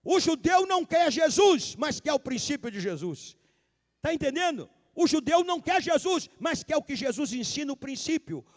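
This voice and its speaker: A pastor preaching a sermon at a live service, emphatic and repetitive, calling out to the congregation. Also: male voice, very high-pitched, sing-song, moderate pace. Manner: emphatic preaching, repeats key lines, calls out to the congregation. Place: large church sanctuary, live service. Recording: long hall reverb of a church.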